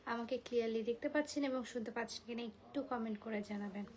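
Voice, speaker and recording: A woman selling saris on a live stream, speaking softly because of a migraine and mixing English words into her Bengali. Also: on the high side, fast, poor audio. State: suffering a migraine. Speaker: live sari seller. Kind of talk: live-stream sales chat.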